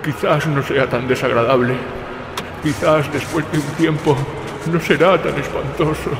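A man's voice: fairly high pitch, steady tone, a little slow, background noise. A man playing an older narrator haunted by memory, telling a horror story dramatically in the first person. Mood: dread. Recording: music behind the voice.

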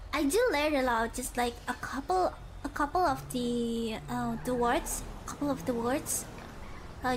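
A young woman from Indonesia chatting casually while gaming on stream, halting and searching for words, often giggling. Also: sits high, slight background noise, low-quality recording. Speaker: virtual streamer.

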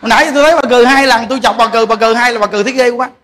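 Rapid-fire and extremely high-pitched, with a fairly bright tone, a monk with a Southern Vietnamese accent gives a comic dharma talk. He keeps laughing and joking while addressing his audience head-on.

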